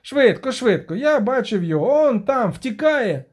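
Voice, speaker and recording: Guy voicing a hyper little halfling shouting directions, high pitched storybook voice. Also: big pitch swings, normal speed, heavily acted. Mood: urgent. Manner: yelling urgent commands. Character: small excitable male halfling, bossy and hasty.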